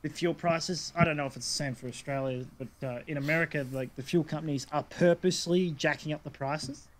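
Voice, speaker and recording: Young guy cracking jokes on a podcast, voice a bit high, light hiss in the background. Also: fairly quick. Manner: joking, teasing, drifts into conspiracy talk. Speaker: podcast co-host. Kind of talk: casual chat.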